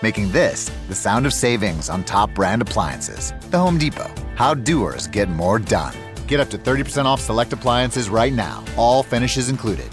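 A man's voice: on the low side, very animated, normal speed, over music. A man reading a scripted retail commercial as an advertising voice-over.

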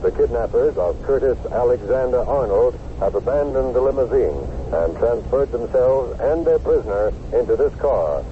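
An actor playing a sober male newsreader giving a formal, measured bulletin within a radio drama. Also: mid-range voice, lively intonation, lightly acted. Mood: sober, official. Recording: tinny, noisy radio bulletin sound.

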